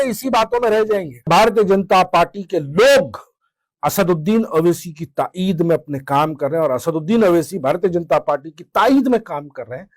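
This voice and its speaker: Fiery high-voiced man. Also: dry recording. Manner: fiery, sarcastic, rhetorical questions. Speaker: political commentator. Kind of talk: impassioned political commentary.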